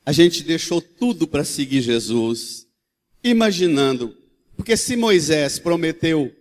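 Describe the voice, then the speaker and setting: A man, a priest, preaching a sermon in a church and telling stories in an animated, colloquial way. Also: on the high side, unhurried. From Brazil. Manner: storytelling, animated, with colloquial asides. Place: large church. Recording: long hall reverb.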